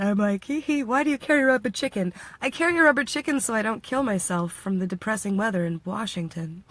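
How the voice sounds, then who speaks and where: A woman's voice: mid-range voice, fairly bright tone. A woman from the United States chatting playfully in a casual vlog, laughing often and acting out what others said. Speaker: vlogger. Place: Washington State.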